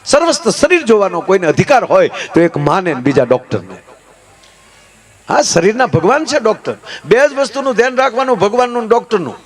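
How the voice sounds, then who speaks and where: A man performing folk comedy on stage. He tells stories in a lively way and slips into character voices and chants. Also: high-pitched, brisk. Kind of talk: Gujarati folk comedy storytelling.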